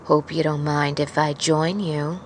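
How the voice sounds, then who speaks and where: Woman narrator voicing a slow, menacing monster man. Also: low-pitched, little pitch movement, slight background noise. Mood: falsely pleasant menace. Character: monstrous, menacing inhuman man in a diner, falsely pleasant.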